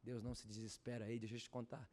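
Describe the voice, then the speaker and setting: A man preaching a sermon at a church service, swinging from loud fervent exhortation to hushed storytelling and asking the congregation questions. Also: mid-range voice, level tone, fast talker. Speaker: pastor.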